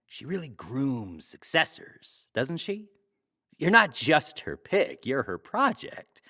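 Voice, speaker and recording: An actor playing a glib, teasing talk show host in a sci-fi audio drama, wry, theatrical and probing. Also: male voice, medium pitch, wildly swooping pitch, slow, pushed and bright, exaggerated voice.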